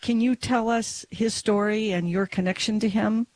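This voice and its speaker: A woman interviewer asking measured, clear questions. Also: mid-range voice, steady tone, a little mellow, no echo, poor audio.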